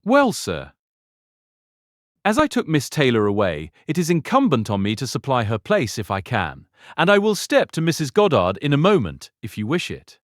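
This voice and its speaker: Hearty polite gentleman from a period novel, hugely up and down delivery, close dry sound. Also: medium pitch, huge pitch swings, normal speed, no echo. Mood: eager, obliging. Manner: polite, eager to help. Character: brisk, obliging, hearty married country gentleman. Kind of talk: audiobook character acting, period comedy of manners.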